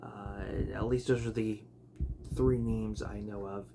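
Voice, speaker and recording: A man chatting casually about his video collection, rambling with many fillers and restarts, his voice a bit raspy. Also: lowish voice, fairly even intonation, measured pace, dark tone. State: raspy, clearing throat. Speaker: home video collector vlogger. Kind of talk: casual unscripted chat. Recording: noticeable background noise.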